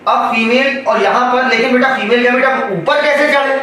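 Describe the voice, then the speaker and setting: A man's voice: extremely high pitch, moderate pace, sharp tone, a little hiss or hum. A man teaching biology to a class. He calls the students "beta" and keeps asking questions for them to answer. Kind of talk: classroom lecture. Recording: echoey classroom from far off.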